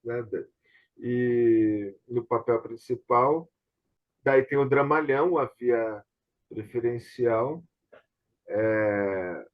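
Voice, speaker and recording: A man's voice: medium pitch, extremely slow. A Brazilian man hosting a casual online discussion, explaining things and often checking for agreement, recorded over a video call. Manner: explanatory, often seeking agreement with tag questions. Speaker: host and theatre director. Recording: dull, lo-fi video-call audio.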